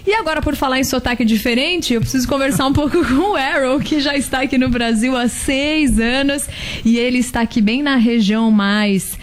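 Brazilian lady radio host, kinda high voice, chatty interview style. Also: a little fast.

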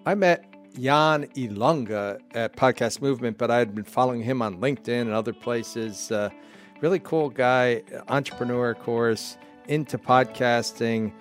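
Upbeat man hosting a podcast, faint music. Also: mid-range voice. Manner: upbeat, joking, asks quick follow-ups. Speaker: podcast host. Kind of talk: casual interview.

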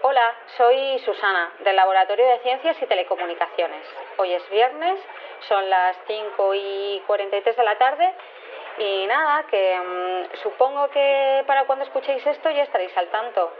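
An actress playing an apologetic, hesitant laboratory worker in an audio drama, leaving a voicemail with a Castilian Spanish accent. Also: female voice, mid-range voice, animated, normal speed. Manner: hesitant, explanatory. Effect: voicemail message. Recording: dull, noisy voicemail recording.

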